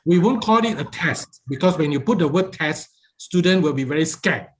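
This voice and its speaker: A man's voice: on the high side, lively intonation, moderate pace, a little hiss or hum, poor audio. A man speaking in a video meeting, explaining an exam program at length and repeating his points in non-native phrasing. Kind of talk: online meeting discussion. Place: video call.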